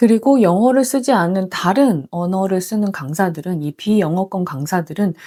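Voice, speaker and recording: Against a silent background in a very clean recording, a woman speaks at medium pitch with a dark, mellow tone and lively intonation. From South Korea. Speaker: vlogger, former scuba diving instructor. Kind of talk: personal essay monologue. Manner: conversational, with filler words.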